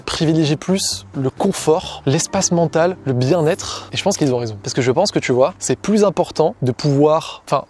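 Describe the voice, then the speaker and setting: A man's voice: a little high, moderate pace, few pauses, darkish tone. A young man vlogging casually, a copywriting coach chatting straight to the viewer with lots of fillers and restarts. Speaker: online entrepreneur and copywriting coach. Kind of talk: casual direct-to-camera vlog.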